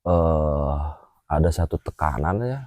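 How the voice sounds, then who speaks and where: A man telling his personal experience in a casual chat, animated and full of fillers. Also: very deep voice, takes it slowly, no room sound, studio quality. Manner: animated, with frequent filler "ah" and "A", acts out gestures while telling.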